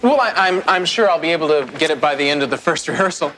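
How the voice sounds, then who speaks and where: An actor playing an eager young radio actor, anxious and stammering, in a television drama. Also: male voice, fairly high pitch, lively intonation, fast, noisy background, natural voice. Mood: nervous. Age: young adult. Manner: stammering, nervous.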